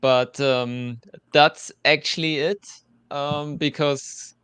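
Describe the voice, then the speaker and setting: A man's voice: a little high, steady tone, slow pace, fairly bright tone, clean tone, no echo. A young adult man, a podcast guest, answering interview questions in a hesitant way with frequent fillers. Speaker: guest, company co-founder.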